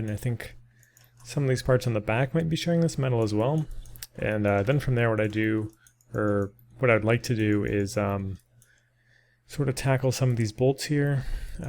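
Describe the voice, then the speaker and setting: A man's voice: medium pitch, a little mellow. A man narrating a casual 3D texturing tutorial, thinking aloud with many ums, and slightly losing his voice. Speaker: 3D modeling tutor. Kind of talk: casual screen-recorded software tutorial.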